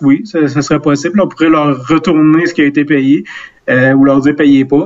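This man has an unremarkable speaking voice, pitched fairly high, with fairly even intonation and a moderate pace. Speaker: city councillor and festival co-founder. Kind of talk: casual interview.

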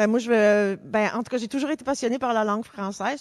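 A woman's ordinary speaking voice at a moderate pace, with ordinary pitch variation. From Quebec, Sept-Îles. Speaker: cancer survivor, retired communications professional. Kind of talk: interview, personal story. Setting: live event with audience.

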